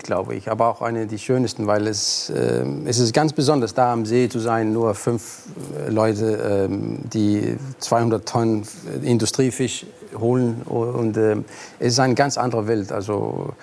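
A Danish-accented man, speaking German as a second language, talks slowly and haltingly with plenty of "äh" as he searches for words. His voice is gravelly with a rough edge, at an ordinary male pitch. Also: a little mellow. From Denmark. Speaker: actor guest. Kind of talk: talk show interview.

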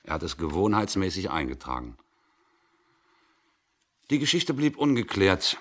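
A man giving a calm, measured reading of a story from an old 1960s radio recording, acting out the dialogue. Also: low-pitched.

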